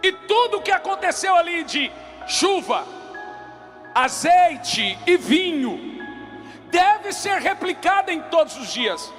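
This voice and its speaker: A man's voice: extremely high pitch, sing-song, takes it slowly, a bit bright, soft background music. A Brazilian man preaching an impassioned sermon as a pastor, emphatic and declamatory, often raising his voice and repeating phrases.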